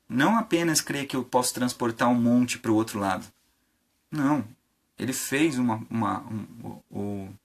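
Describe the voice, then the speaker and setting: Gravelly man preaching casually. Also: mid-range voice. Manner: conversational, many fillers and rhetorical questions. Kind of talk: informal sermon on a live stream.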